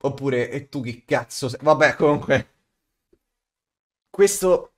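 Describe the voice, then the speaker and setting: A man's voice: mid-range voice, slow pace. A man, talking casually and bluntly to camera in colloquial, sweary language. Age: 20s. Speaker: YouTuber, aspiring voice actor. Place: small bedroom, indoors. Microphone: studio condenser mic on desk.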